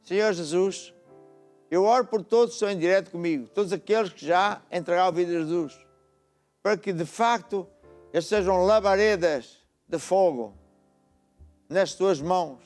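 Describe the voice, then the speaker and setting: Faint music plays behind this apostle, a middle-aged man with a European Portuguese accent, as he preaches and exhorts his listeners, frequently asking "está a ver?", before praying over them to close the sermon. His voice is high and a little mellow, at a normal speed.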